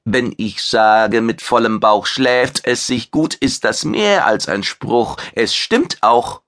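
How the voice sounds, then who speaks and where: A man's voice: mid-range voice, animated, slow pace, a bit bright. Maitre, a proud horned alien chef, as a male narrator puts him on. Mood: boastful. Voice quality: hard, clipped pronunciation. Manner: boastful, blustering.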